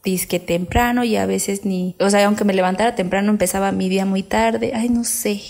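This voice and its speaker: A woman with a Mexican accent co-hosting a podcast in casual chat, chatty and reflective and quick to laugh. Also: mid-range voice, steady tone, gravelly, darkish tone. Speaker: podcast co-host.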